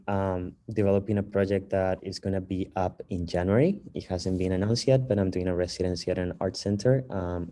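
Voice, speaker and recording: A man from Colombia talks in a very deep, flat voice with a dark, mellow tone. He introduces himself slowly and hesitantly, with many ums, over a video call. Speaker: theater director panelist. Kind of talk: casual panel introduction. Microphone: video call mic.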